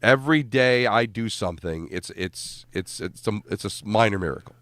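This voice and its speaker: A man in his fifties from New Jersey, co-hosting a sports radio show in a studio, self-deprecating and halting, with many restarts. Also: on the low side, lively intonation, a bit bright, no room sound. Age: 50s. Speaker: radio co-host. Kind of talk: casual sports radio banter. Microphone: studio microphone.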